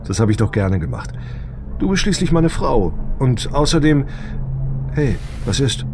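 An actor playing a desperate, awestruck husband in a science fiction audio drama, speaking haltingly and emotionally. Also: male voice, medium pitch, very animated, noisy background. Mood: tender, reassuring.

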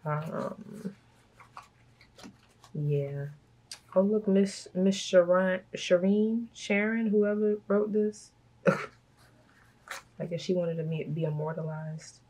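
A woman from Brooklyn, hoarse from a cold, chatting casually and laughing often as she talks through her budget. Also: on the low side, slow pace, pauses often, a little mellow. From Brooklyn, New York. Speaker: budgeting vlogger. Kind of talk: casual chat while stuffing cash envelopes.

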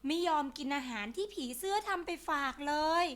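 A woman's voice: high voice, fairly quick, a bit bright. A woman voicing a kindly, caring butterfly in a children's story, with a sweet, coaxing, slightly plaintive manner. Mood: disappointed. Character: kindly, caring butterfly who cooks healthy food.

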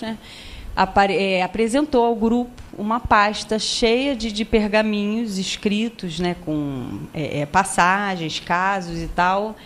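A Brazilian woman seated at a panel table in a lecture hall, recounting a book passage in a measured, hesitant way. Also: mid-range voice. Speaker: lecturer at a spiritist center.

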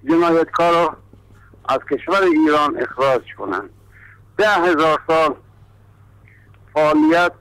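Gravelly impassioned male caller. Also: on the high side, fairly bright tone, no room sound, poor audio. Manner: impassioned, accusing. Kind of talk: call-in comment.

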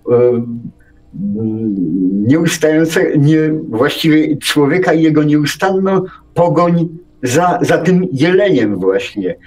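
A man's voice: on the high side, a little mellow, poor audio. A man in a philosophical conversation, speaking earnestly and searching for his words as he goes. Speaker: guest presenting texts.

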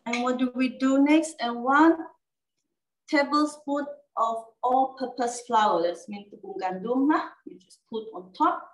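Woman, cooking demo host, fairly high voice, chatty with fillers, echoey kitchen, mic set back. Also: a little slow. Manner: chatty, explaining step by step with frequent fillers and "okay?" checks. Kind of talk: casual cooking demonstration. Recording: echoey room, mic at a distance.

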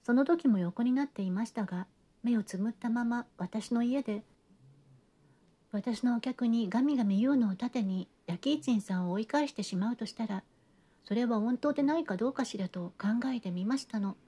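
A woman's voice: a little high, moderate pace, mellow, close to an everyday voice. A woman voicing a gushing, genteel chatterbox lady. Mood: gossiping. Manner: gushing, breathless chatter with refined feminine endings. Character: chattering, theatrical genteel lady, middle-aged. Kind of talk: audiobook reading of a classic novel.

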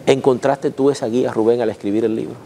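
A man's voice: mid-range voice, steady tone, gravelly, dark tone, slight background noise. A man in his thirties interviewing an author, stumbling and repeating words as he praises the book. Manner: halting, repeats words, admiring. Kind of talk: interview questions. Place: dim church sanctuary. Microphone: lapel.

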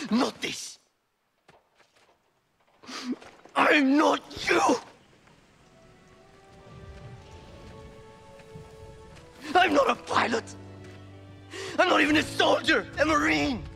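A frightened, self-doubting man, a pilot in a video game drama. His voice is high and cracks with gravel, slowing down under bitter emotion. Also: pushed and bright, heavily acted. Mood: angry despair. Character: frightened, despairing male pilot, self-loathing civilian.

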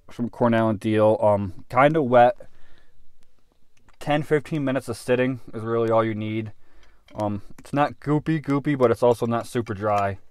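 A man in his thirties giving a casual off-the-cuff product review, halting and unhurried as he thinks aloud, recorded in a car. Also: mid-range voice, a little mellow, clear, resonant tone, no echo. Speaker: pipe tobacco reviewer. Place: inside a parked car.

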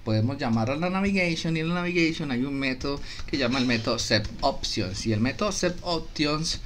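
Man, colombian spanish accent, higher voice, patient step-by-step coding walkthrough, faint hiss behind. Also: animated, brisk, a bit bright. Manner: explains step by step, repeats and corrects himself. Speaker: programming instructor. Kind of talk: screen-recorded coding tutorial. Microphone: desktop mic, voice-over on screen capture.

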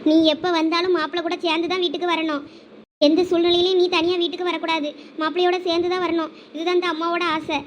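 Fast, very high-voiced Thoothukudi Tamil woman. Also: flat delivery, highs cut off, a little hiss or hum. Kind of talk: village family comedy drama dialogue.

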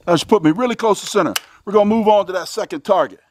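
Higher-voiced American man, folksy range host. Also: rapid-fire. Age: middle-aged. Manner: folksy, exclamatory, addresses viewers as folks. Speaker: host of a shooting range video channel. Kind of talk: casual commentary to viewers while target shooting. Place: outdoors at a covered shooting range.

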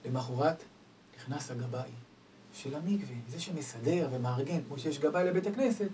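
A man delivering a storytelling sermon as a rabbi, swinging from loud exclamations to hushed asides. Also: fairly high pitch. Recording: distant mic, faint background noise.

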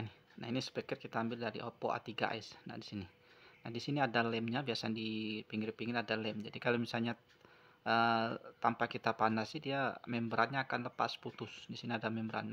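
A man's voice: mid-range voice, gravelly, fairly bright tone, muffled recording, a little hiss or hum. A man narrating an unscripted hands-on repair tutorial, explaining step by step and often repeating himself. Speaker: phone repair tutorial presenter. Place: at a wooden table indoors.

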